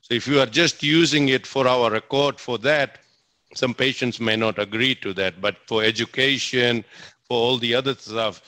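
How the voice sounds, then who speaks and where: A man's voice: medium pitch, steady tone, normal speed, bright, forceful tone, no echo. A man from Fiji speaking as a physician answering questions, enthusiastic and emphatic, often repeating himself. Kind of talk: spoken question-and-answer at a presentation.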